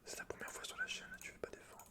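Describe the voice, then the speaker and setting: A man's voice: extremely high pitch, little pitch movement, fast talker, pushed and bright. A man whispering casual ASMR gaming chat as a streamer, swearing freely and repeating short slangy phrases close to the microphone. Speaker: video game streamer and ASMR host.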